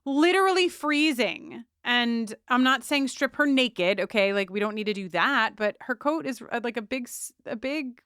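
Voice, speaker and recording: Woman podcast co-host, casual and animated, salty mouth, clear voice, dry close sound. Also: on the high side, normal speed, few pauses, dry recording. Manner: animated, swears freely, acts out character lines. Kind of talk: casual recap chat.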